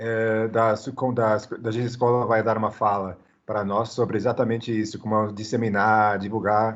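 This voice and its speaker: A man's medium-pitched voice with a non-native accent and monotone, flat intonation. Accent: foreign accent in Portuguese. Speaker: university professor. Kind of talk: online class introduction. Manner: halting, many fillers.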